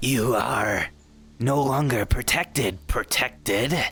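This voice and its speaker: Using a put-on character voice, a man speaks fairly slowly at a medium pitch, raspy and hissing. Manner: threatening.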